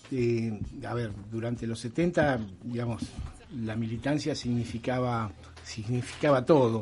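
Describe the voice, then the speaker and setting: A Rioplatense accent with long, frequent pauses. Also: man. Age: 60s. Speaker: activist and publisher. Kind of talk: interview.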